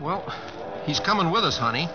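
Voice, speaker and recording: An actor playing a bashful, earnest Oklahoma cowboy in an old-time radio drama, with a rural Oklahoma accent and a hesitant, folksy drawl. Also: male voice, on the high side, lively intonation, a little fast, natural voice. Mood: sheepish, coaxing. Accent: American, rural Oklahoma. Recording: dull vintage radio recording, faint music.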